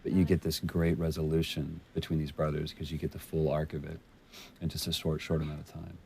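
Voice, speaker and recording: A man's voice: very deep voice, level tone, a little fast, gravelly, warm tone, a little hiss or hum. A man doing developer commentary who talks with enthusiasm and admiration about the scenes. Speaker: game creator in commentary.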